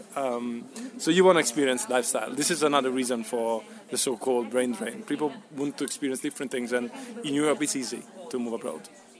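Very rapid male speech over noticeable background noise. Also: medium pitch for a man, ordinary pitch variation. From Italy, Tuscany. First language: Italian (speaking German). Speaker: data scientist. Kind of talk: interview.

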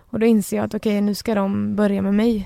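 This very clean recording with a silent background captures a woman speaking. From Sweden, Falkenberg (Halland). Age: 20s. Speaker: tsunami survivor. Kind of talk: testimony. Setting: studio.

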